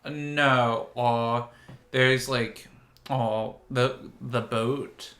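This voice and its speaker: A man's voice: medium pitch, fairly even intonation, drawn-out words, a bit bright. A man co-hosting a casual gaming podcast, explaining things in a tentative, hedging way. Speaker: podcast co-host.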